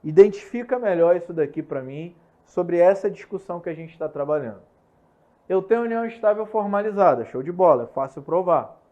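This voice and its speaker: A young man with a Brazilian Portuguese accent teaching an online law lesson, repeating key points and checking in with quick questions. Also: high-pitched, expressive, mellow. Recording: slightly muffled lo-fi recording.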